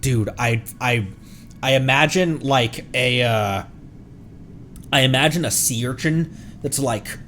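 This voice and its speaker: A man's voice: medium pitch, takes it slowly, pauses often, fairly bright tone, soft background music. A man livestreaming a game, reading its text aloud and reacting casually, sometimes stumbling over words and correcting himself. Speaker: livestream host, VTuber.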